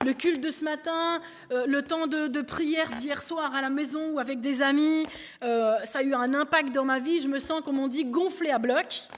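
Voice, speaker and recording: A woman giving a lively, conversational sermon, talking through an illustration with a helper and the congregation. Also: high voice, moderate pace. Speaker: preacher. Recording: long hall reverb.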